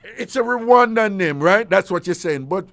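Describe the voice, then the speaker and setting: A man's voice: high-pitched, lively intonation, moderate pace, vocal fry, fairly bright tone. A man with a Jamaican accent hosting a live call-in radio show, teasing callers and repeating their answers back in a playful way. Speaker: radio talk show host.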